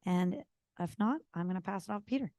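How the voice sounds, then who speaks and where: A woman's voice: mid-range voice, fast talker, a little mellow, no room sound. Woman moderator, losing her voice. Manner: casual, with many fillers. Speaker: conference moderator. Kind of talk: introducing speakers at a conference. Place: conference hall.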